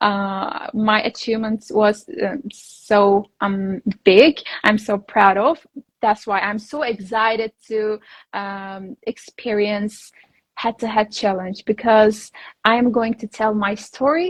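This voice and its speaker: With a Turkish accent, a woman with a fairly high, somewhat breathy voice speaks at a very slow pace with fairly even intonation, in dry, close sound with no echo. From Turkey, near Syrian border. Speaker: beauty pageant contestant. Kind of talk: interview. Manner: halting, many fillers.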